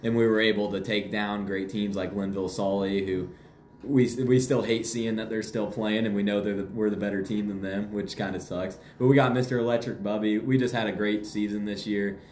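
A young man with a lowish voice gives casual interview answers. He sounds confident and matter-of-fact, like a school athlete going over a season. The room is echoey, with faint noise behind him. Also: fairly even intonation, fairly quick, a little mellow. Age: young adult. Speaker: high school basketball player being interviewed. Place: indoor room with guests present.

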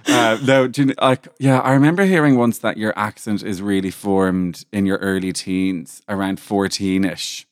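A man with a posh Dublin accent, a podcast guest chatting casually in a camp, animated way. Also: lowish voice, normal speed, hardly any pauses, no room sound, clean studio sound. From Ireland. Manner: camp, animated, swears freely. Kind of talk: casual chat.

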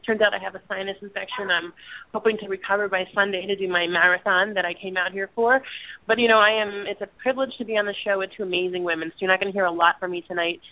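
A woman's voice: mid-range voice, steady tone, fast. A woman co-hosting a podcast, upbeat and chatty though she is losing her voice, calling in from a hotel balcony. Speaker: co-host. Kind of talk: casual chat. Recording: phone-line sound, dry.

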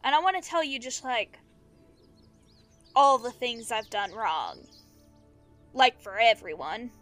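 A woman acting a guilt-ridden, blunt young runaway with powers in a naturalistic audio drama, talking in a halting, slangy, confessional way. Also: on the high side, expressive, fairly bright tone. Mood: guilty confession. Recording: music behind the dialogue. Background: music.

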